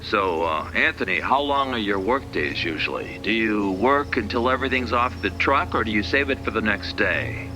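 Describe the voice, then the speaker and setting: A man plays an uneasy eighteen-year-old in a story, trying to sound casual and polite. His voice sits a little low and hesitates. Music is clearly heard underneath. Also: lively intonation, normal speed, few pauses, close to an everyday voice.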